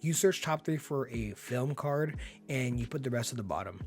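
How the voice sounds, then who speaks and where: A man getting over being sick, with a slightly hoarse voice, giving upbeat, laid-back play-by-play commentary on a card game and laughing often. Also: medium pitch, lively intonation, moderate pace, faint music behind.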